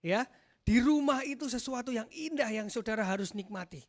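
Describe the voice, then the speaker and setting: A male pastor preaching a sermon in a joking, lively way, often calling out to his listeners and swinging between loud and soft. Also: very high voice, a little fast. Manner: joking, addresses listeners as "saudara".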